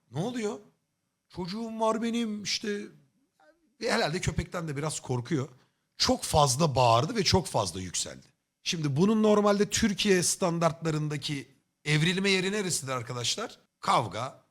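A man's voice: medium pitch, a bit bright. A man livestreaming from home, telling a story in a casual, blunt way, with swearing and comic exaggeration. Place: home streaming setup.

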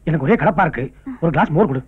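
A man's voice: on the high side, animated, very fast, husky, phone-quality sound. A stern village father. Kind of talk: film drama dialogue.

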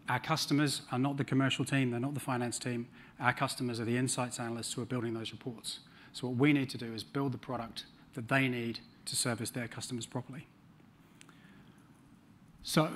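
A man's voice: mid-range voice, a little hiss or hum. A middle-aged man with a New Zealand accent giving a conference talk on a large stage, with dry humor and frequent ums. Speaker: conference speaker.

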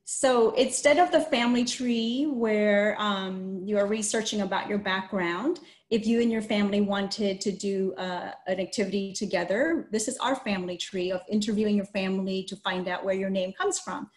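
Interviewing an author and hosting a read-aloud, this middle-aged woman speaks in a steady, mid-range voice at a moderate pace, barely pausing. She's on a video call in a small indoor room, and her computer mic gives a roomy echo.

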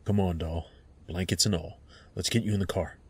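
Audio drama lead: actor as blunt, protective federal agent, deepish raspy male voice, clipped phrasing. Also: steady tone, normal speed. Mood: urgent. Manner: terse, curt.

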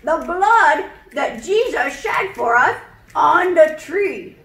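A woman voicing a kindly old grandpa puppet in a children's show, teaching in a deliberate way. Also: high voice, very animated, heavy background noise, heavily acted. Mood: patient, earnest. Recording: echoey room.

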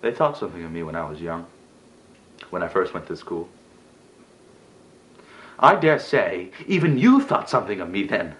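A man performing a dramatic stage monologue as a bitter, jealous elder brother, sarcastic and emotional, moving between hushed delivery and outbursts. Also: sits low, sing-song, normal speed, pauses often, voice pushed down, rough recording. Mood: sullen.

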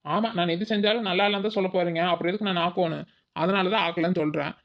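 A woman's voice: on the low side, steady tone, fast talker, lo-fi sound, close to an everyday voice. A woman voicing a lazy, cheeky young village daughter-in-law in a cartoon, dodging cooking with sly excuses. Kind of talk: village cartoon comedy acting.

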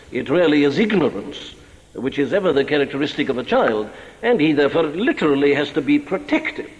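An older man preaching a sermon in a church, earnest and deliberate, slowing down to stress key words. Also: medium pitch. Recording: dull archival sermon recording in a large hall.

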